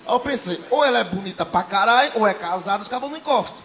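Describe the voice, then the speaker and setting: A man's voice: sits high, fast talker. A young man from Ceará with a Northeastern Brazilian accent, doing stand-up comedy on stage and telling crude stories while acting out the dialogue. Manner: crude, animated storyteller who acts out dialogue. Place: comedy stage in front of a live audience.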